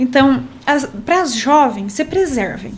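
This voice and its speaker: A woman speaks over noticeable background noise. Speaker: farmer and beauty pageant winner. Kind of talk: interview.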